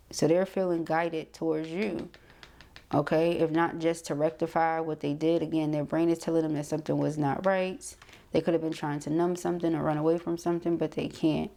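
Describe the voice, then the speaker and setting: Woman, slightly low pitch, soft dark tone, casual intuitive card reading, conversational, frequent check-in tags. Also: creaky. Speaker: tarot card reader.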